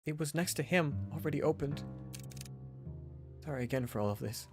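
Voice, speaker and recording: An anxious young woman in a visual novel , acted by a man, with a lifted, higher voice. She is earnest and halting as she pleads, with music underneath. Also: close to an everyday voice. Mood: distressed, pleading. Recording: music behind the voice.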